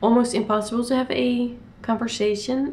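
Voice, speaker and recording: Soft-spoken and fairly slow, a woman talks amid noticeable background noise and audible room echo. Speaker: stay-at-home mom vlogger. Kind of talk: casual vlog chat. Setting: indoors at home in front of a window. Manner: calm, reserved.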